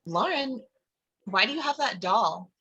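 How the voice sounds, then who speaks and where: A woman's voice: fairly high pitch, lively intonation, measured pace, sharp tone, husky, highs cut off, exaggerated voice. A woman playing a sulky, snarky, self-dramatizing teenage girl in a film table read. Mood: pointed.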